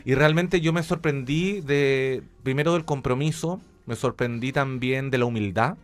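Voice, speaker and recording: In this clip a middle-aged man with a Chilean accent appears as an interview guest; he's a journalist and radio theatre director. His mid-range voice moves at a moderate pace as he reflects conversationally on his work.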